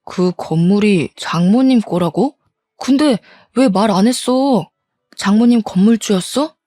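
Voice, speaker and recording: A woman reads out a young mama's-boy husband who mocks and whines. The voice is mellow and low in brightness, recorded dry and close. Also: unhurried, dry recording, natural voice. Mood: sneering. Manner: mocking, whiny.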